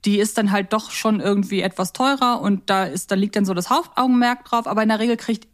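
A woman's voice: medium pitch, fast. A woman from Germany chatting informally as a podcast co-host, telling stories in a conversational way. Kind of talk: casual conversational podcast chat.

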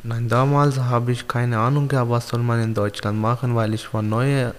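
A young man from Pakistan whose first language is Urdu, answering interview questions in simple, halting learner's German with many pauses. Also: mid-range voice, flat delivery, big-room sound. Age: young adult.

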